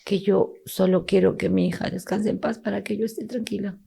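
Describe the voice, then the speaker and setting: A deeply gravelly, husky voice with a dark tone, belonging to a middle-aged woman from Peru. She tells her story as a grieving mother with raw emotion and acts out the officials' words. Her speech is low-pitched and rough. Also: fairly even intonation, brisk. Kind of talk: emotional testimony.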